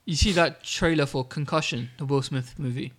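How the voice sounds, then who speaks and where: A man's voice: medium pitch, moderate pace, fairly bright tone. A man in casual podcast chat, laid-back, swearing a lot and laughing often.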